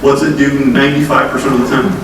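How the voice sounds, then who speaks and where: A man with a cold giving a folksy, direct talk and calling his listeners folks. He speaks at a brisk clip. The sound comes from a distance in a heavily echoing hall with audible noise. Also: mid-range voice, level tone. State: has a cold, losing his voice. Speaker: state transportation official. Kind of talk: conference presentation. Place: conference room. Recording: echoey hall, distant mic, noisy.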